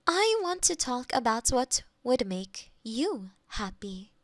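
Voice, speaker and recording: A woman's voice: a little high, very animated, slow, no room sound. A woman playing a polite AI girlfriend eager to please, speaking in stilted, precise phrases in an intimate close-miked roleplay. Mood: politely helpful. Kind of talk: scripted intimate roleplay audio. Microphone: close binaural microphone.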